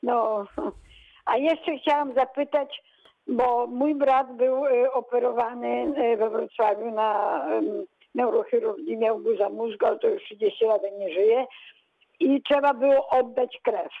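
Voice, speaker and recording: A woman's high-pitched voice at a very slow pace, with very even loudness and ordinary pitch variation. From Lviv region, grew up in the Soviet east. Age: 70s. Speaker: radio caller. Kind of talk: call-in question. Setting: phone call.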